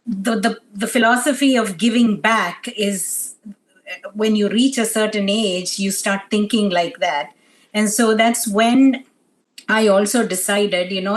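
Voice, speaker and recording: Soft-spoken woman guest with many fillers. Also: mid-range voice, poor audio. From Tanzania. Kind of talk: interview chat.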